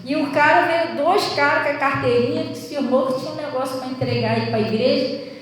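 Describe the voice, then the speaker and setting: Brazilian lady pastor preaching in a big echoey church, kinda far from the mic, high voice. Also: a little fast. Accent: Brazilian Portuguese. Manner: animated storytelling, acting out quoted voices, laughing often. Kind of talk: sermon with storytelling. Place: church hall. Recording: echoey church hall, voice from a distance.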